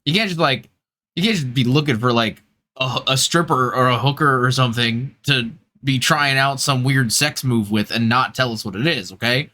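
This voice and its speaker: A man's voice: medium pitch, moderate pace, bright, forceful tone. A man hosting a live gaming stream, chatting casually and jokingly with his viewers in slangy language. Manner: jokey, slangy, swears casually. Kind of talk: casual livestream chat with viewers.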